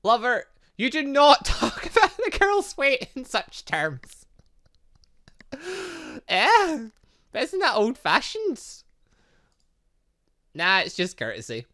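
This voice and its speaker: High-pitched and sharp, this man's voice carries his let's-play commentary as a gaming streamer. He rambles while playing and keeps interrupting himself with chuckled side remarks.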